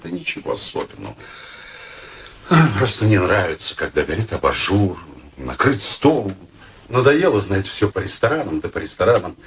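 An actor playing a cheeky, clinging middle-aged suitor in a radio play, mock-polite, ironic and theatrical. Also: male voice, low voice, big pitch swings, normal speed, fairly bright tone, a little hiss or hum, full character voice. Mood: offended, wheedling.

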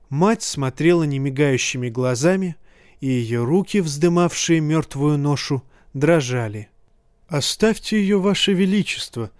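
A man narrates a fantasy novel in a measured, even storytelling manner. His voice sits a touch higher than most men's. The recording is dead dry and close to the mic. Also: no echo. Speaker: audiobook narrator. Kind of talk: scripted audiobook narration.

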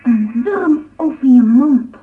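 High-voiced, taunting little girl. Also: expressive, takes it slowly. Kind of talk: radio drama. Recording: tinny, noisy old radio recording.

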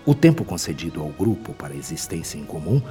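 An actor with a Brazilian accent playing a wise, gentle male spirit mentor in a radio drama, speaking in a measured, solemn, didactic way. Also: rumbling low, sing-song. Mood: solemn, caring. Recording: long reverb, music behind.

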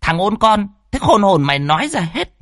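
A man's voice: sits high, very animated, moderate pace, fairly bright tone, dry recording, clean studio sound, pitched above the performer's own voice. A man voicing a fat, fierce old woman exorcist in a horror story, scolding and threatening in coarse bursts. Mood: scolding threats.

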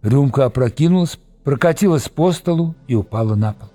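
A man reading a novel aloud as scripted narration, expressive and voicing every character himself. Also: mid-range voice, fairly quick, faint music behind. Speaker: audiobook reader.

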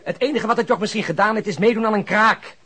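Police detective, radio drama, husky voice, quick delivery, ironic, impassioned, compassionate. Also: male voice, high voice, sharp tone, heavily acted. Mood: indignant. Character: indignant, compassionate, cynical-humoured male police detective with a conscience. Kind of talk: radio play dialogue.

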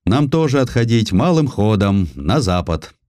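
A man's voice: lowish voice, sing-song, normal speed, a little mellow, dry recording, studio quality, voice pushed up. A man playing a self-assured British admiral who muses aloud in an audio drama. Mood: calm.

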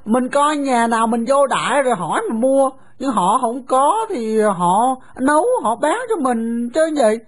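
A woman's voice: a little high, expressive, unhurried, few pauses. A woman voicing a hungry orphan boy who complains and pleads for rice. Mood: hungry, pleading.

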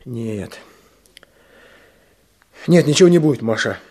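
An actor playing a restless, lovesick village man in a radio drama, weary and stubborn, with a gravelly voice. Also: mid-range voice, animated, slow pace, a little mellow. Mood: resigned.

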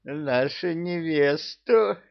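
Guy putting on a high squeaky drunk villain, boastful and bossy, slow and gravelly, dull lo-fi sound. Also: sing-song, exaggerated voice. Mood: drunken glee. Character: drunk, boastful immortal male villain Koschei. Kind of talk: audiobook character voice.

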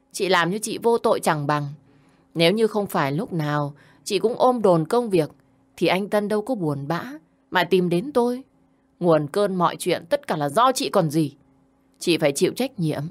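A woman voicing a spiteful young woman, a defensive younger sister who talks in a shrill, whiny, indignant way. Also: animated, moderate pace, close to an everyday voice.

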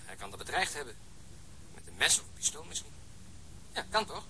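An actor playing a businesslike police colleague in a radio crime drama, reporting matter-of-factly and probing in a familiar tone. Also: male voice, fairly high pitch, sing-song, brisk, sharp tone, breathy edge, heavily acted.

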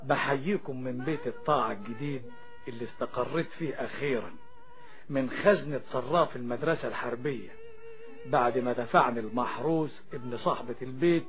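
A man plays a talking banknote in an Egyptian radio drama, telling its woes in the manner of an Arabic cafe storyteller. The voice is mid-pitched and genial, with florid address to the listeners, and music runs behind it. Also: natural voice. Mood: wry, relieved.

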